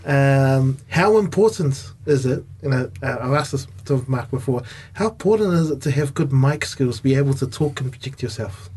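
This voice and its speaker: A man hosting a podcast, asking slow, searching questions full of fillers in a casual chat. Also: medium pitch, expressive, darkish tone, husky. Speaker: podcast host.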